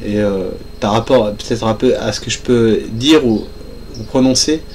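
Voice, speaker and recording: A man's medium-pitched voice at a fairly slow pace, with long, frequent pauses and noticeable background noise. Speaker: vlogger. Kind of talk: vlog monologue. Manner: monotone; halting.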